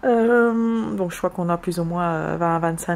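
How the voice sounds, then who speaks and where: Noticeable background noise sits behind a woman's fairly low voice. She speaks at a fairly slow pace with ordinary pitch variation. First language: not French (speaking French). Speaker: YouTuber. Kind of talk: casual chat. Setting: at home. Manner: halting.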